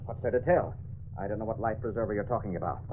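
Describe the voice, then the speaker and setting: An actor playing a sly, blustering crooked official in a 1930s radio drama, indignantly denying everything. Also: male voice, on the low side, quick pace, close to an everyday voice. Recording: tinny, noisy old radio recording.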